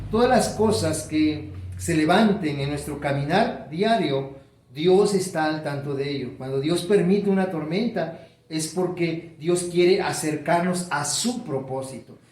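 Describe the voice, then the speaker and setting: Spanish-speaking preacher in an echoey church. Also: male voice, fairly high pitch, a little mellow, a little hiss or hum. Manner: preaching with rising emphasis and drawn-out stresses. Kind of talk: sermon. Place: church sanctuary.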